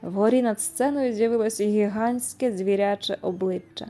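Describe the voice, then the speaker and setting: A woman narrating an audio fairy tale in an expressive, lively reading. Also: medium pitch, moderate pace. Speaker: storyteller. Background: soft music.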